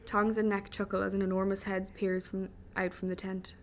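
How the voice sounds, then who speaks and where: A woman reads a first-person story aloud in a wry, vivid telling. Her voice has a gravelly grain at a middle pitch, and there is a faint bed of noise under it. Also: level tone, moderate pace. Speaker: audiobook reader. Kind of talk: first-person audiobook narration.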